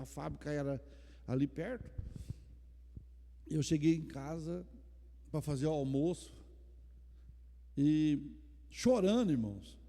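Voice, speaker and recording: High-voiced preaching man in echoing church. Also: gravelly. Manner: impassioned preaching that drops to soft storytelling. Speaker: pastor. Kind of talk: sermon. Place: church sanctuary. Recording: long reverb of a church hall.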